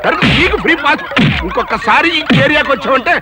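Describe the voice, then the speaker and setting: An actor playing a short-tempered shopkeeper with a husky voice, scolding and mocking. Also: male voice, very high-pitched, expressive, quick pace, loud music behind the voice. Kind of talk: film comedy.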